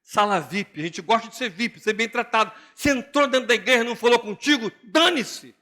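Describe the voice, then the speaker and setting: With a very high voice and a fairly quick pace, an older pastor with a Brazilian Portuguese accent gives a lively, jokey sermon that includes impressions of other people.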